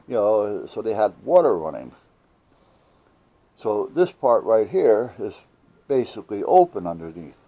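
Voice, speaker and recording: A man's voice: on the low side, dark tone, muffled recording. A man talking in a casual, rambling, folksy way, like a DIY vlogger telling a story. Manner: folksy, salty-tongued, conversational.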